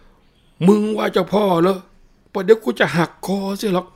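A man's voice: sits high, fairly even intonation, moderate pace, creaky, voice pushed up. A man voicing a cowardly bald rich man who whines, wails and fakes illness and possession. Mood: ranting possessed. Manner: whiny, wailing, feigns illness and spirit possession.

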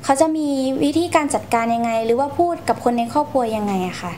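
A woman's voice: on the high side, quick pace, a little mellow, a little hiss or hum. A young woman, answering interview questions in a polite, explanatory manner as she recounts her experiences. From Thailand. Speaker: guest storyteller.

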